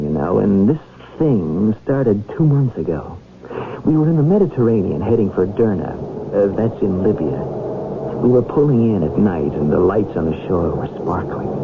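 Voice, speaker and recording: A jittery young sailor who stammers and stumbles over his words, his voice rising and falling widely. The sound is a tinny old AM radio broadcast with loud hiss behind it. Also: on the low side. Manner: stammering, anxious. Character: young male merchant seaman, nervous and accused.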